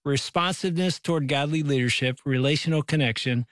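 A man interviewing an author, asking questions in a calm, measured way. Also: on the high side, dry recording, studio quality.

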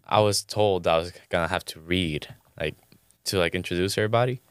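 A young man telling a story in casual chat, slangy and halting, peppered with filler words. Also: low-pitched, clear, resonant tone, no room sound. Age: young adult.

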